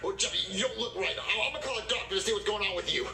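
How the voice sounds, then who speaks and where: A man voicing a whiny, excitable young boy. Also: sits high, rapid-fire, vocal fry, reverberant, recorded from a distance, soft background music, full character voice.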